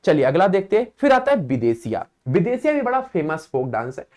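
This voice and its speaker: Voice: mid-range voice, sing-song, a little mellow. A teacher giving an exam-prep lecture, explaining step by step, checking in with listeners and naming items one at a time. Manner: explains step by step, often adds the tag "है ना"; lists place names one by one in a slow, stressed way.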